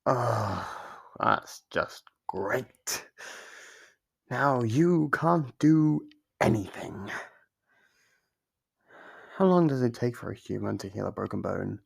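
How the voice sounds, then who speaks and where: A man's voice: mid-range voice, expressive, slow pace, long pauses, exaggerated voice. A man voicing a sadistic, playful monster holding human prey captive, menacing and theatrical as he muses aloud in an ASMR horror roleplay. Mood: exasperated. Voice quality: gravelly, husky.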